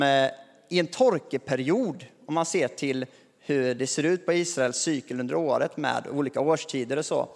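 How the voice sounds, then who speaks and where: A man preaching a sermon, earnest and lively, raising his voice as he calls out scripture. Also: on the high side, vocal fry. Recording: long hall reverb.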